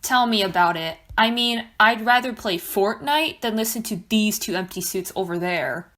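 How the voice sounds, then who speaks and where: A woman's voice: mid-range voice, normal speed, pushed and bright, lightly acted. A woman playing a jaded, sarcastic debate co-host in a staged political satire, with a dismissive way of talking. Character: jaded, sarcastic female debate co-host and apathetic non-voter.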